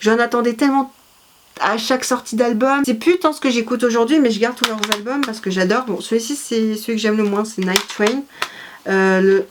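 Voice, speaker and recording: A woman's voice: a little high, fairly quick, a little hiss or hum. A woman vlogger, chatting casually and rambling with many fillers and self-corrections. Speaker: vlogger presenting her CD collection. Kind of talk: casual chat.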